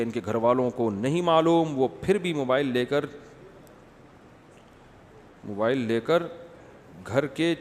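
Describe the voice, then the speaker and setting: A man's voice: medium pitch, slight background noise. A man giving a humorous religious talk, telling stories with comic impressions and answering questions read out from the audience. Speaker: Islamic scholar answering questions. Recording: long hall reverb.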